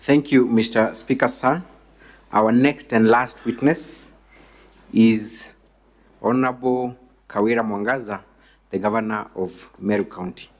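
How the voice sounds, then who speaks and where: A man with a Kenyan accent questioning a witness as counsel, formal, courteous and deliberate, phrase by phrase. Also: fairly low pitch, steady tone. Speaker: defence lawyer questioning a witness. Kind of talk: formal legal examination.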